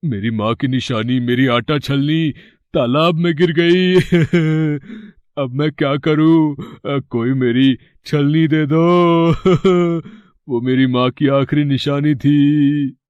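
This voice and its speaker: In a cartoon story, a man plays a greedy older brother who wheedles and fakes his tears. His voice sits a bit high for a man, and the recording is close and dry. He sounds sly and grasping all the way through. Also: steady tone, slow, darkish tone, clean tone, dry recording, dull audio. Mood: fake-weeping. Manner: wheedling, fake-weeping, then panicked. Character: greedy scheming elder brother, grown man. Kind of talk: cartoon voice acting.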